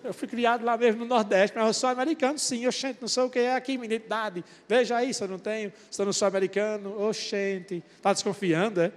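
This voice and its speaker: A man voicing an indignant young Brazilian man raised in the Northeast, with a Northeastern Brazilian accent, protesting fast and incredulously. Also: high-pitched, fairly even intonation, close to an everyday voice. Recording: long church-hall reverb.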